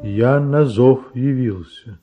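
An actor playing a stern, vengeful stone statue come to life in a radio drama, solemn and commanding. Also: male voice, mid-range voice, takes it slowly, lo-fi sound, faint music behind. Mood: ominous, commanding.

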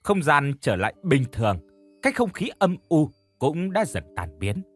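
A man's voice: fairly high pitch, very animated, moderate pace, faint music behind. A man narrating a horror audiobook in an emotive, dramatic storytelling style.

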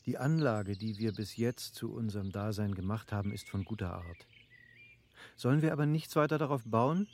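An actor in a classic German radio play playing an eager, affable middle-aged baron who argues in formal, rhetorical phrases. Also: male voice, fairly low pitch, moderate pace, a little mellow, a little hiss or hum, natural voice. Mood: reasoning, hopeful.

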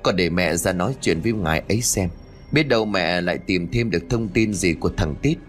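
A man's voice: low voice, fairly quick, soft background music, natural voice. A man voicing a grieving old grandmother who pleads and wails in a storybook reading. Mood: worried. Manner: wailing, pleading.

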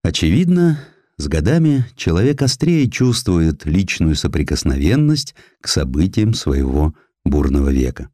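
A man narrating a scripted historical essay as an audiobook, telling it in an expressive, measured, literary manner. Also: sits low, no room sound, studio quality. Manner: expressive, measured storytelling delivery.

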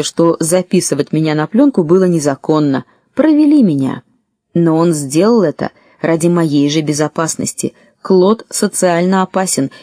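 A woman narrating a first-person audiobook story in a lively, wry way. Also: on the low side, no echo, studio quality.

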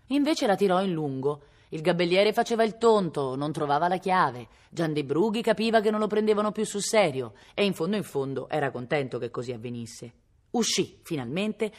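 A woman reading a novel aloud at a library, expressive and storytelling. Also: deep voice. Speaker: reader at a public library.

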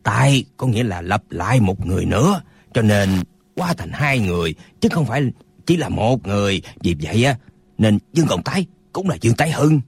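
A man plays a pompous old swordsman who explains nonsense as if it were deep learning, his voice lively and a little rough. The sound is dry and close. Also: brisk, no room sound, full character voice. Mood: smug, lecturing. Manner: smug, lecturing. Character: self-satisfied old male martial eccentric, pompous.

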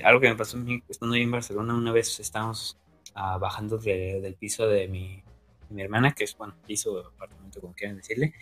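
A man's voice: lowish voice, fairly bright tone. A man with a Mexican accent co-hosting a casual podcast, rambling and peppering his talk with slang. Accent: Mexican Spanish. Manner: rambling, restarts, says güey often. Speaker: podcast co-host. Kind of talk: casual chat.

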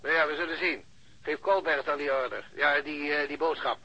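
Dull phone line, self-important impatient police boss in a radio play, raspy, highish, sharp. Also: male voice, fairly even intonation, brisk, heavily acted. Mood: officious, commanding. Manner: self-important, formal, officious. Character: pompous, impatient male police chief on the phone. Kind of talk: Dutch radio drama acting. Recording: muffled band-limited phone line.

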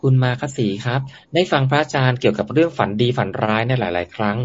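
A man's voice: mid-range voice, fast talker, highs cut off, a little hiss or hum. A man moderator who names each sender and plainly reads out listener questions to the monk. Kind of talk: reading questions aloud.

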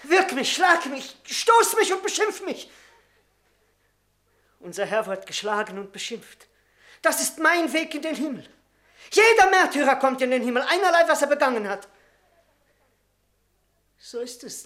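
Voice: sits high, big pitch swings, measured pace, pauses often, bright, forceful tone, heavily acted. An actor playing a wretched, sanctimonious male Christian would-be martyr, whining frantically in a German radio drama. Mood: self-pitying, ecstatic.

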